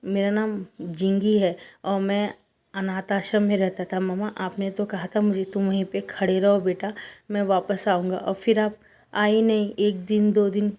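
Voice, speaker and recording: A woman voicing a small orphan boy who pleads slowly and plaintively in a storybook retelling. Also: medium pitch, level tone, dark tone, close to an everyday voice.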